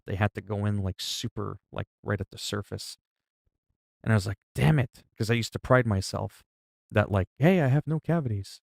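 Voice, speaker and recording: On his livestream, a man in his forties chats casually, curses often, and rambles while explaining with everyday examples. His voice is on the low side, creaky and darkish at a moderate pace, with clean, echo-free studio sound.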